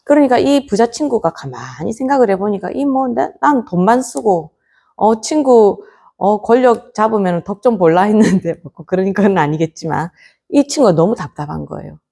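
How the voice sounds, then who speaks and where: A Buddhist nun lecturing in a temple room, weaving a folk tale into her teaching and putting questions to the listeners. Her voice has a steady middle pitch and a pronounced gravelly fry. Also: moderate pace. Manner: storytelling, posing questions to the class.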